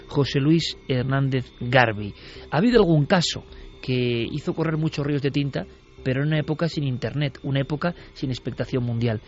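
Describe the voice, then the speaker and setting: A man from hosting a late-night radio show, building suspense as he talks. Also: mid-range voice. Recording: dull lo-fi radio broadcast.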